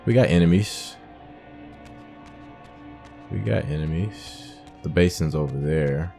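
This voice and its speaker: A man's voice: very deep voice, slow, vocal fry, warm tone, soft background music. A man hosting a video game playthrough with casual, rambling, musing commentary. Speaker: gaming host. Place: game commentary with game music behind.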